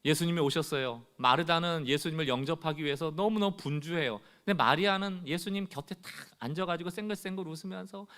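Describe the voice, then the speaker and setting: A man preaching a Sunday sermon as pastor, speaking straight to his congregation and acting out quoted complaints in a loud, rising voice. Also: fairly high pitch, fast talker, hardly any pauses.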